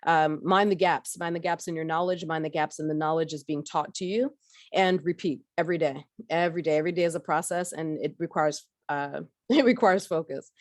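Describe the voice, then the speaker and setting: A woman's voice: deep voice, fairly quick, no echo, clean studio sound. A middle-aged woman from Barbados giving a conversational workshop talk about her background, with frequent fillers and restarts. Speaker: workshop speaker.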